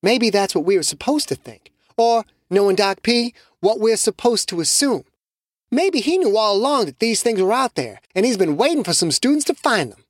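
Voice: medium pitch, big pitch swings, moderate pace, no echo, voice pushed up. A narrator voicing a skeptical young woman student who is blunt, sarcastic and swears freely, in a dry, close recording. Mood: reasoning.

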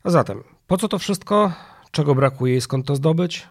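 A man with a nasal, stuffed-nose and hoarse voice, presenting a podcast monologue. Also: on the high side, expressive, moderate pace. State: hoarse from a viral illness. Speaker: podcast host. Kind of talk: podcast monologue, partly scripted.

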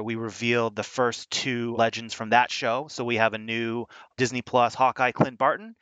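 A man's voice: medium pitch, fairly bright tone, clear, resonant tone, no echo, dull audio. A man presenting new collectible figures in an upbeat, fluent, salesy way. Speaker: toy company representative. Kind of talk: enthusiastic product presentation.

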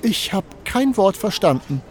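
An actor playing a polite, flustered railway station attendant in a children's audio drama. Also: male voice, high-pitched, big pitch swings, unhurried. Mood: baffled. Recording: music behind the voice.

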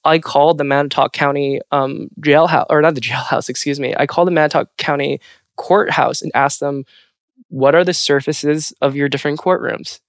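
A woman's voice: low voice, fairly quick, dry recording, studio quality. A trans woman from California, a Foley artist, chatting casually on a podcast with a fairly androgynous voice. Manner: animated, androgynous voice.

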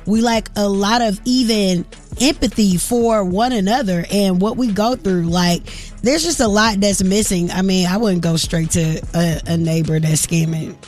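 Woman radio cohost, mid pitch, frank chatty talk, bit of music behind. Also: moderate pace, a little mellow. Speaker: radio morning show co-host. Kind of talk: casual radio discussion.

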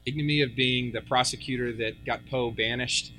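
Wry, bright-voiced male panel moderator. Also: mid-range voice, fairly even intonation, fairly quick, soft background music, low-quality recording. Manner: joking, wry. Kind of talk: casual convention panel talk. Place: convention panel room.

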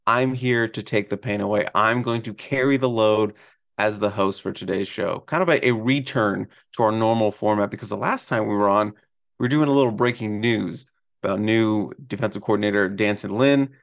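A man's voice: fairly low pitch, moderate pace, vocal fry. A man hosting a casual sports podcast, chatting and teasing his co-host in a playful way.

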